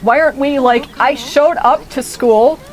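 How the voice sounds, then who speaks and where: A woman's voice: sits high, unhurried. A woman in her twenties from the United States giving casual, rambling gameplay commentary, swearing freely. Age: 20s. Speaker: streamer.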